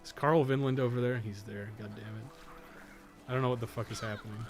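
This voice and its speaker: Soft music plays under this man's fairly quick, mid-range voice, and his intonation stays fairly even. He's commentating a casual live game stream, rambling and thinking aloud as he plays, swearing bluntly and often. There's noticeable background noise on the recording.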